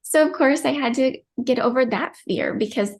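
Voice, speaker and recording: Gravelly young woman telling her story. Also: high-pitched, moderate pace, darkish tone. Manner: tearful at times, chatty with many likes. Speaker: podcast guest. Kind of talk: emotional personal storytelling.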